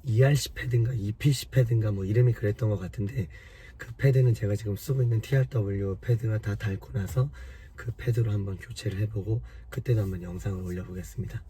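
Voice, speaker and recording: A man with a hoarse voice from a cold, patiently explaining car repair step by step to his viewers in a casual way. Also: on the low side, fairly quick, mellow, a little hiss or hum. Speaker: car maintenance vlogger.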